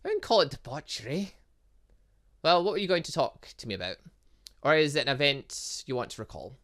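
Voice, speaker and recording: A man voicing an excitable, flirty female romance novelist from a visual novel game, gushing and theatrical. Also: a little high, a little fast. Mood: teasing. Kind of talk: visual novel game dialogue read aloud.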